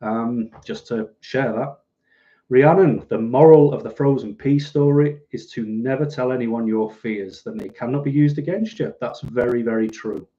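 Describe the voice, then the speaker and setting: A man with a softened Mancunian accent chatting casually on a livestream to his viewers, rambling along in a dry, sardonic way. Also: medium pitch, normal speed, lo-fi sound. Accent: Mancunian, softened northern English. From northern England, Manchester. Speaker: livestream host. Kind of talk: casual livestream chat, reading out and answering viewers' comments.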